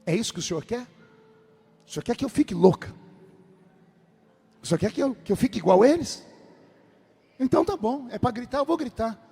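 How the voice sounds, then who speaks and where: A woman's voice: fairly high pitch, expressive, fairly quick, gravelly, long pauses, dark tone, slightly rough, full character voice. A male preacher voicing his young wife, flustered and pleading as she cries out in prayer, heard in a reverberant hall. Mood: exasperated.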